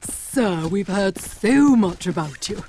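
A man's voice: high-pitched, lively intonation, slow pace, darkish tone, slight background noise, exaggerated voice. A man playing a polite, fawning villager in a video game cutscene.

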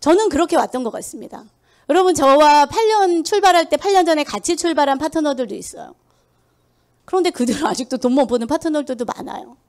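A woman's voice: high voice, animated, quick pace, darkish tone. A middle-aged woman giving a motivational sales lecture, emphatic, firing rhetorical questions at her audience and mimicking people's excuses. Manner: acts out quoted excuses in mocking voices. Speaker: sales seminar speaker. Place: lecture hall.

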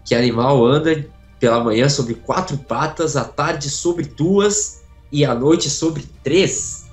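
A Brazilian man, a guest who wants to become a voice actor, talking excitably over a video call. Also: fairly high pitch, takes it slowly, soft background music. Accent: Brazilian Portuguese. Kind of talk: casual video-call chat. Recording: roomy home room echo.

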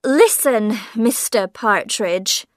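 A woman's voice: a little high, lively intonation, slow pace, no room sound, studio quality. A woman voicing an impatient, dismissive police sergeant in a storybook reading. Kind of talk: audiobook character voice.

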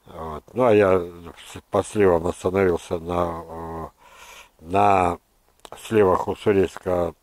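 Deep-voiced older man, halting gardener. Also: steady tone, darkish tone, no room sound. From Russia. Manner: halting, digressive, opinionated. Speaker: gardener presenting his orchard. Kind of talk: unscripted instructional monologue. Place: outdoors in a hillside orchard.

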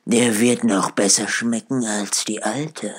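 A man voicing a sly, greedy wolf in a fairy tale, coaxing and scheming in a hushed way. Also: on the low side, fairly even intonation, slow, husky.

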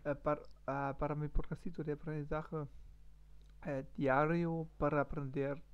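A man slowly improvising a story as practice, with many fillers, pauses and restarts. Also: fairly high pitch, little pitch movement, smooth, highs cut off. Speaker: language learner streamer. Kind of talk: halting improvised practice talk.

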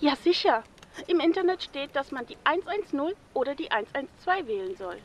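A woman's voice: high voice, big pitch swings, normal speed, slight background noise. An actress playing a stubborn woman calling the police emergency line to ask for a rescue helicopter. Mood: insistent. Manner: insistent. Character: self-assured woman caller misled by the internet. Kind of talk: radio drama acting.

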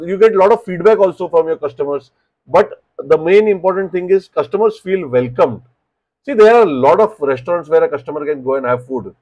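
A man in his thirties with an Indian English accent, giving business advice straight to camera in a small home office, animated and repeating words as he explains. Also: high-pitched, highs cut off. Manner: animated, gestures with both hands, repeats words while explaining. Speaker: restaurant business coach. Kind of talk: direct-to-camera advice talk.

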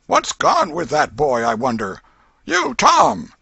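A man voicing a gravelly, scolding old aunt. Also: a little high, big pitch swings, normal speed, pushed and bright, dry recording, highs cut off, pitched above the performer's own voice, exaggerated voice. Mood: shouting. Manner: scolding, exclaiming, folksy dialect. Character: fussy, soft-hearted old aunt, scolding.

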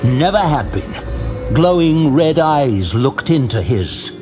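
A man narrating a scripted fantasy story dramatically, in a measured, suspenseful manner. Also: on the high side, very animated. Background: music.

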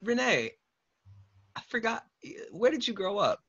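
A man's voice: high-pitched, sing-song, unhurried, fairly bright tone, slightly rough, highs cut off. A young man co-hosting a casual video call, playful and jokey. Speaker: co-host. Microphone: webcam on video call.

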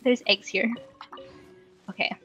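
A woman's voice: slow, fairly bright tone, dull audio, faint music behind. A woman chatting casually as she plays a game, thinking aloud with playful exclamations and muttering to herself. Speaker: let's play host.

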